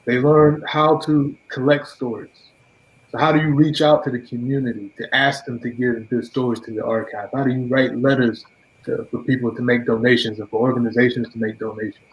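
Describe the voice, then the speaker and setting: Man giving a measured ceremony speech. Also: mid-range voice. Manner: measured, with many fillers and restarts. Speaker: program director. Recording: dull lo-fi sound.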